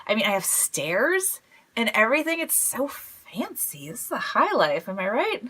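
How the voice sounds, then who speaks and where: A woman's voice: fairly high pitch, wildly swooping pitch, moderate pace, sharp tone, breathy edge, exaggerated voice. A woman playing a perky, awkward scavenger in a comedic audio drama, eagerly upbeat in manner.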